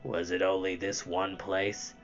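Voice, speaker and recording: A reader doing a slow, grating rock giant. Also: sits low, level tone, highs cut off, faint music behind, voice pushed down. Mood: gruff. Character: gruff slow male rock-chewing giant.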